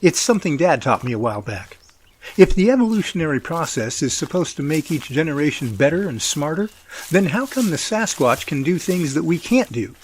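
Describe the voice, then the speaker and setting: A man's voice: fairly high pitch, very animated, a little fast, a little hiss or hum. A man acting in an audio drama as a playful, curious, romantic young man. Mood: thoughtful.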